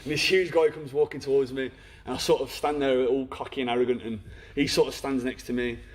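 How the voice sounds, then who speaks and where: A young man with a Black Country accent, a podcast interview guest, frankly tells his own story in plain words. He speaks fast at a typical middle male pitch, with fairly even intonation, scattering "you know" throughout.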